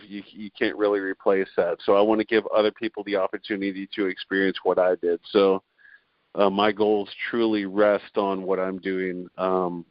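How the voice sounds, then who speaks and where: A man's voice: on the low side, no room sound, dull audio. A man in his forties, talking earnestly as a podcast guest, with frequent restarts and fillers. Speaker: guest, beep baseball player and league president. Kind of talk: podcast interview, conversational.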